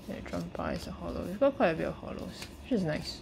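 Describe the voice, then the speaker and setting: Noticeable background noise runs through the recording. Over it, a woman speaks at a moderate pace. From Singapore. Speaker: YouTuber, card collector. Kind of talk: unboxing video commentary. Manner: halting, many fillers. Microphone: phone near.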